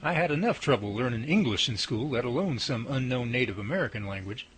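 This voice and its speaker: A man's voice: medium pitch, lively intonation, fast talker, a bit bright, breathy edge, rough recording. A man acting a folksy, earnest Bigfoot researcher in a radio drama, full of old-fashioned exclamations and homespun idioms. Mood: matter-of-fact. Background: music.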